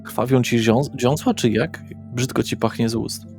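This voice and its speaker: Man acting weary middle-aged father, affable, halting, repetitive, tabletop drama, music behind. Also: medium pitch, fairly even intonation, a little mellow, close to an everyday voice. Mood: weary, affectionate, puzzled. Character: Eryk, weary affable father working as a psychologist.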